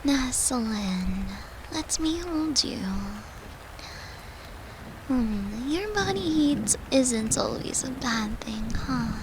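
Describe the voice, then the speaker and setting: Tender, slow-talking devoted girlfriend, acted by a woman. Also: high voice, background noise, exaggerated voice. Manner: tender, soothing, coaxing, slipping into breathy murmurs. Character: devoted human girlfriend, tender, playful, fiercely protective occultist. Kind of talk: intimate comfort audio roleplay.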